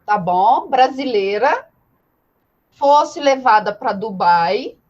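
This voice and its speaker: A woman's voice: a little high, expressive, takes it slowly, darkish tone, lo-fi sound. A woman with a Brazilian Portuguese accent giving an informal live law lecture, explaining didactically with rhetorical questions and repetition. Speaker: law teacher.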